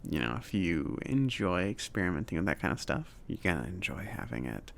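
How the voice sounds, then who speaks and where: A man playing a friendly, awkward mage who runs a potion shop, speaking softly and haltingly in a casual, chatty ASMR roleplay style. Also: sits low, sing-song, creaky, slight background noise, full character voice. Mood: friendly, hesitant. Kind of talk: soft-spoken ASMR roleplay.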